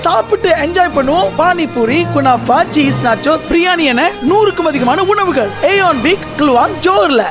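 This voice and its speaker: A woman delivers an advert voice-over. She sounds upbeat and colloquial, switching into English phrases, with loud music playing underneath. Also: animated, normal speed, few pauses. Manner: upbeat sales pitch. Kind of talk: promotional advert read, colloquial Tamil mixed with English. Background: prominent music.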